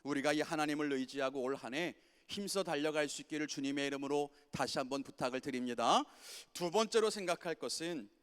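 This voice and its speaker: Impassioned preacher in a reverberant church. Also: male voice, clean tone. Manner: impassioned preaching, rising to loud commands and dropping low. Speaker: pastor. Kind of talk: sermon. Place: church sanctuary. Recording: church sanctuary with long reverb.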